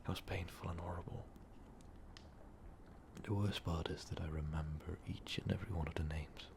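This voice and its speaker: Man as a very low, whispering vampire overlord. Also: steady tone. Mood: haunted, sorrowful. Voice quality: breathy half-whispered, gravelly. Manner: slow, halting, grave. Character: ancient brooding male vampire overlord confessing his dark past. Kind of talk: whispered ASMR roleplay monologue. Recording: noticeable background noise.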